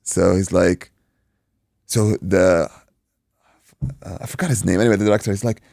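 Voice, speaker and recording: A man from Iraq, a native Arabic speaker, telling an animated anecdote in casual podcast chat, acting out dialogue and swearing freely. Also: sits low, moderate pace, creaky, no echo, clean studio sound. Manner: acts out dialogue, swears, says "dude". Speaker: podcast guest, martial arts coach and stunt performer.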